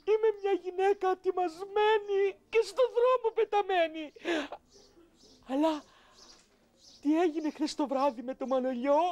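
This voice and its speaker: A woman's voice: very high voice, a little mellow. A woman doing a wailing dishonoured young woman. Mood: lamenting. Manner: sobbing, wailing, over-the-top lament. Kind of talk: comic dub acting. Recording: echoey room, voice from off-mic.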